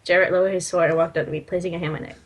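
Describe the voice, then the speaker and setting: A woman's voice: lowish voice, little pitch movement, racing. A woman casually reading amateur fan fiction aloud, giggly and teasing with joking asides. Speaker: story reader.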